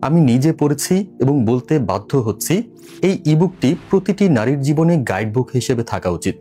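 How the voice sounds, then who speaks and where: A male voice-over artist reads a scripted promotional book review in a measured, persuasive, explanatory way. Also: medium pitch, big pitch swings, mellow. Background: faint background music.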